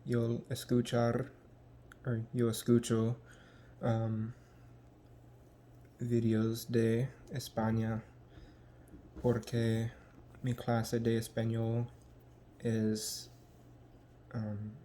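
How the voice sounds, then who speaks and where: A young American man from the United States, talking casually in a vlog and haltingly searching for words with many ums. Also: mid-range voice, completely flat delivery, warm tone, slight background noise. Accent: American English. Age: young adult. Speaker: language learner.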